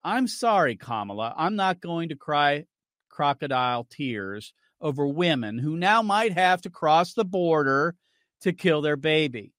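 A male radio talk show host delivers forceful, argumentative commentary, stopping clips to rebut them. His voice sits somewhat high for a man. The studio sound is dry and close. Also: expressive, measured pace, no echo. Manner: emphatic, argumentative, cues clips to play.

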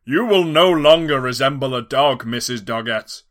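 A man voicing a pompous, nerdy mad scientist man who speaks in slow, grandiose proclamations. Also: medium pitch, a bit bright, natural voice. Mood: triumphant.

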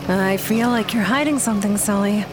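A woman's voice: mid-range voice, a little fast, noisy background, close to an everyday voice. An actress playing an earnest, bookish female adventurer in an audio drama, articulate and probing. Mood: suspicious. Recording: loud music behind.

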